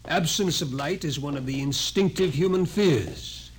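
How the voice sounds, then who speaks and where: A man's voice: on the high side, measured pace, close to an everyday voice. A man playing a grave, insistent doctor in a 1950s radio drama, lecturing emphatically with an ominous air. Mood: intense, knowing. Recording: noisy old 1950s radio recording.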